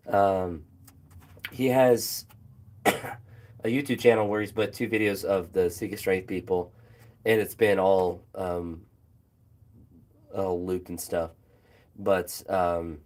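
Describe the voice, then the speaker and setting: A young man, a phys ed teacher, chatting casually about his training with a hoarse, phlegmy throat and many fillers and pauses. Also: on the low side, a little mellow. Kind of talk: casual vlog chat while training.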